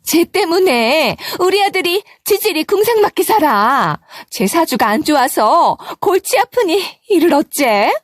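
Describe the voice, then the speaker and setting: A shrill, nagging older mother-in-law, as a woman narrator puts her on, her voice pitched high and sharp. She scolds and blames without pause, in a dry, close recording for a story narration. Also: no echo.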